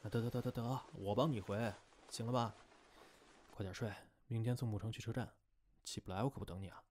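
A man's voice: on the low side, fairly even intonation, a little fast, darkish tone, a little hiss or hum, natural voice. A man playing a laid-back, caring young man who coaxes with mild exasperation in an amateur radio drama. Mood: mildly exasperated. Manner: coaxing, casual.

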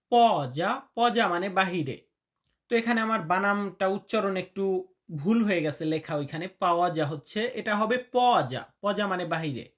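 A man teaching vocabulary in a lesson, repeating each word slowly and deliberately, chatty and calling his listeners brother. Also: high-pitched, fairly bright tone. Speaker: language teacher.

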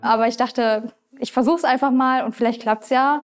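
Woman, 20s, student, casual, chatty, higher voice, faint guitar behind. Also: fairly even intonation, normal speed. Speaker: scholarship holder, biochemistry student. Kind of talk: interview answers. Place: studio against a colored backdrop. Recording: guitar music underneath.

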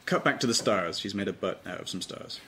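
A man's voice: fairly low pitch, a little fast, pushed and bright, slightly rough. A man narrating scripted stage directions aloud at an informal table read. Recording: noisy amateur room recording, clicks.

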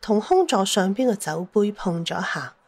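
Female storyteller, Cantonese accent, audiobook narration, dramatised delivery, medium pitch. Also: big pitch swings, normal speed, darkish tone.

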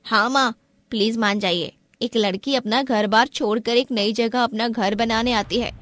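Casting: woman for an outspoken, kind young sister-in-law, animated drama, slightly high voice, dry sound. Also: moderate pace, no room sound, natural voice. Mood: pleading, insistent. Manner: persuasive, supportive. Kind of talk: animated family story acting.

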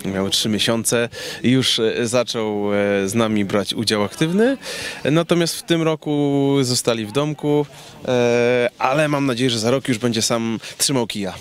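A man's voice: mid-range voice, a little slow. Easygoing man in a casual interview. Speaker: interviewed singer. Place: outdoors in a garden with trees. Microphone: handheld reporter microphone.

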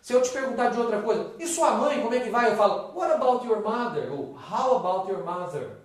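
A Brazilian man teaching English in a video lesson, lively and opinionated, slowing down to model phrases. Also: high voice, recorded from a distance. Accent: Brazilian Portuguese. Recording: echoey room, off-mic.

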